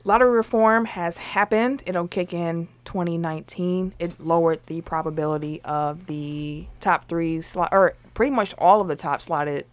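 A woman's voice: on the low side, normal speed, hardly any pauses, dry recording. A woman co-hosting a casual sports chat podcast, emphatic and slangy, steering the talk to each new topic. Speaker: podcast co-host.

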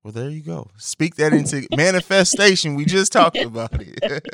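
A man's voice: fairly high pitch, animated, normal speed, fairly bright tone, no room sound, studio quality. A man hosting a podcast, chatting casually, hesitant and often correcting himself, laughing easily. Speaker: podcast host. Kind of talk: casual conversation.

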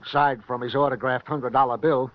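An actor playing an easygoing, plain-spoken police sergeant in a 1950s radio drama. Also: male voice, mid-range voice, steady tone, brisk, slight background noise, natural voice. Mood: chummy. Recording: muffled old radio broadcast.

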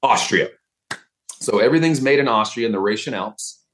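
A man's voice: medium pitch, animated, brisk, fairly bright tone, a little hiss or hum. A man from Texas, a bartender guest on a podcast, talking easily with frequent fillers. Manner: easygoing, talkative, frequent fillers. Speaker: guest, vodka brand bartender. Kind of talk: casual chat.

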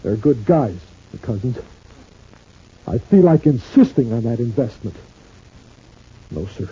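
A man acting a proud, gullible working-class husband in an old-time radio serial, with a plaintive, folksy, halting delivery. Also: mid-range voice, very animated, mellow, breathy edge, exaggerated voice. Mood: stubborn. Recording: muffled old radio recording.

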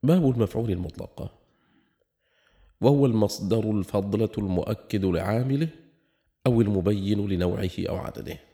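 A man with a lowish, mellow voice reads a classical grammar text aloud. His recitation is formal and measured, and he slows down deliberately whenever he quotes an example. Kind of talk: formal reading of a grammar treatise.

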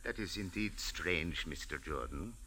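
An actor playing a tall, courteous Arab hotel manager and sheikh who speaks in a formal, gracious way, in a 1940s radio drama. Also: male voice, deep voice, expressive, measured pace, sharp tone, heavily acted.

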